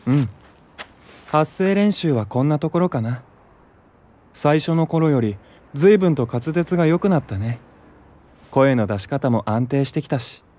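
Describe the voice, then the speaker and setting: A man's voice: on the high side, expressive, a little slow, pauses often, warm tone. An actor playing a composed, encouraging young male performer who mentors kindly in a voice drama. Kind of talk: anime-style voice drama acting.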